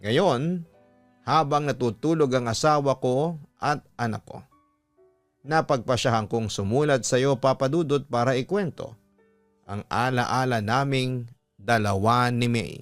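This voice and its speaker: A man's voice: mid-range voice, unhurried, dry recording. A man with a Filipino accent, a radio-style host reading a listener's letter aloud as scripted dramatic narration. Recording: music bed behind voice. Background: background music.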